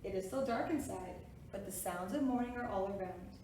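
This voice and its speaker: A woman's voice: mid-range voice, normal speed, a little mellow. A woman with a kindergarten teacher voice, hosting a children's storytime, reading picture books aloud and guiding young listeners with simple, encouraging directions. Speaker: preschool storytime reader and host. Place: echoey room, away from the mic. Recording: very echoey room, distant mic, faint noise.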